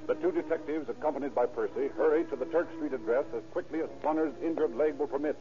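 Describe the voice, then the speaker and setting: A man's voice: a little high, fast, music in the background. A man narrating an old radio crime drama in a scripted, dramatic style. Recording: dull, muffled old radio recording.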